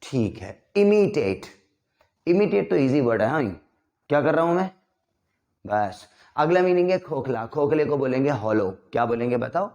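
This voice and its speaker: A man's voice: mid-range voice, sing-song, normal speed, a little mellow, dull audio. A man teaching an English vocabulary lesson to a class, drilling words by repeating them and checking in with his students.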